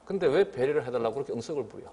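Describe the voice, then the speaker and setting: A middle-aged man giving a biology lecture to students. He scolds them, keeps asking if they understand, and sometimes mimics them in a higher voice. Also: very fast. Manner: lively and scolding, often asks "알겠지?". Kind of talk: classroom lecture.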